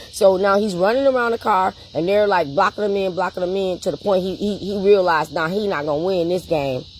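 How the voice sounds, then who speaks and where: With an American accent, a woman talks at a fairly quick pace and medium pitch, with ordinary pitch variation and hardly any pauses. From Chicago, US. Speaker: vlogger. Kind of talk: casual storytelling monologue. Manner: fast.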